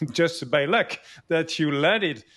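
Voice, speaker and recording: Slightly high-voiced male podcast host. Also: lively intonation, takes it slowly, a bit bright. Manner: rambling questions with many "yeah" and "yes" backchannels. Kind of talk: interviewer asking questions.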